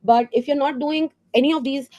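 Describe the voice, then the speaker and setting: A middle-aged woman with an Indian English accent talks teachers through classroom ideas, her voice sitting a little high. She explains earnestly, checks in with rhetorical questions and fills pauses with small ums and uhs. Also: steady tone, darkish tone. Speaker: teacher trainer. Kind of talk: professional development talk for teachers.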